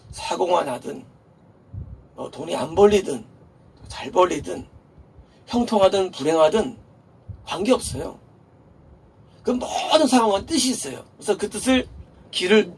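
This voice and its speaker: In a high-pitched, darkish, slightly rough voice, a man gives a chatty sermon, laughing in passing as he asks the congregation questions and supplies the answers. The recording catches him slightly distant, with faint background noise.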